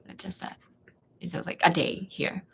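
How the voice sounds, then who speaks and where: A young woman whose first language is Thai, a medical student guest speaking English in a hesitant, halting way. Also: fairly bright tone, in a whisper. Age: young adult. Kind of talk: casual live chat.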